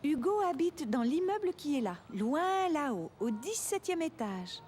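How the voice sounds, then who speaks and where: A woman voicing a patient, gentle mother in a cartoon, explaining things to her young son. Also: sits high, big pitch swings, measured pace, soft background music.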